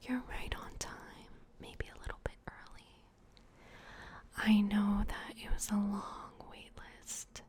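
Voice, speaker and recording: Whispering at a very slow pace, a woman leaves long, frequent pauses and makes big swings in loudness over noticeable background noise. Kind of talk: ASMR roleplay, soft-spoken personal attention. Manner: soft-spoken, whispering.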